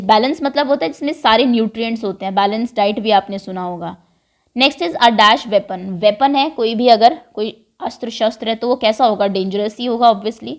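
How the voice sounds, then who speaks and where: Patient woman teaching English. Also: a little high. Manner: mixes English phrases into Hindi explanation, patient. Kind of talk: explaining a worksheet to pupils.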